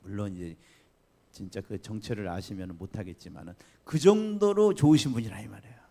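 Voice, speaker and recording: A man preaching a Sunday sermon as pastor, chatty and lively, asking the congregation questions and laughing along. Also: fairly low pitch, brisk, vocal fry. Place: church sanctuary.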